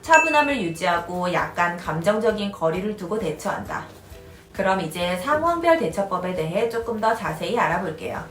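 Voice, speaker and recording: A woman in her thirties calmly explaining parenting advice as the host of an educational video. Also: mid-range voice, normal speed, soft background music. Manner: calm, even, instructive. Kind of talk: scripted explanatory narration. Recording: roomy echoey recording.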